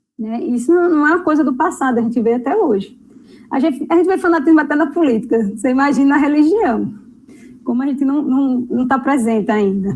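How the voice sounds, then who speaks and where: A woman's high-pitched, lively voice at a fairly quick pace, with audible room echo. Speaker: spiritist study leader. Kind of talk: religious study group talk. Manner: fast.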